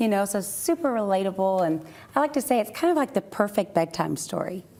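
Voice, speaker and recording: A woman with a Southern Alabama accent and a dark, mellow tone speaks at a fairly quick pace, her pitch swinging very widely. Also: medium pitch for a woman. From North Alabama. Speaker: children's book author. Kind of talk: TV news interview. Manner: cheerful.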